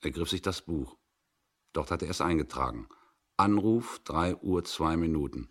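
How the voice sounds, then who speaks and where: A man giving a calm, measured reading of a story from an old 1960s radio recording, acting out the dialogue. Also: low voice.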